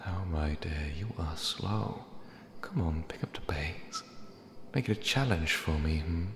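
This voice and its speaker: A man's voice: rumbling low, lively intonation, a little slow, full character voice. A man playing a possessive, menacing cat demon in an ASMR roleplay, taunting with mock affection. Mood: predatory, amused. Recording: echoey hall reverb, clear background noise. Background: ambient sound effects.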